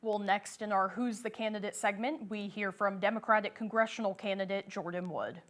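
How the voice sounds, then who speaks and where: A woman's voice: medium pitch, a little fast, background noise. Woman news anchor reading the morning news.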